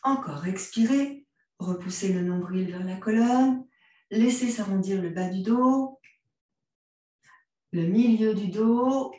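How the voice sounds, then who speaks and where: A woman with a French accent leads a yoga class in a slow, soothing way. Her voice is mellow and her cues are gentle. She sounds far from the mic in a very echoey room. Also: mid-range voice. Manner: calm, gentle cues, mixes vous and tu. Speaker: yoga instructor. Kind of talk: guided yoga class instruction.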